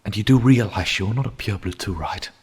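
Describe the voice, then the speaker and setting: A man playing a grim, menacing vampire hunter in an ASMR roleplay, speaking slowly and solemnly in a husky voice that often sinks into a whisper. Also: fairly low pitch. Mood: scornful urgency. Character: grim male vampire hunter, menacing yet pleading captor. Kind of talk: ASMR roleplay, dramatic monologue.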